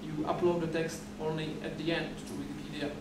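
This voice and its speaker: A young man presents at a conference from a podium in a dim hall, speaking a little fast in a high-ish voice with a completely flat delivery. He is from the Czech Republic and speaks Czech natively, and he often repeats words and restarts his explanations. A distant camera captures the podium mic, leaving the sound echoey and noisy.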